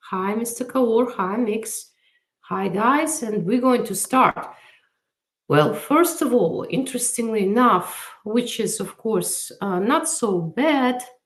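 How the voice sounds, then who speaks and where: In a room with audible echo, a woman with a fairly high pitch speaks at a very slow pace with lively intonation. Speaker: immigration lawyer. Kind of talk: live stream Q&A. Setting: live stream. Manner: halting with fillers.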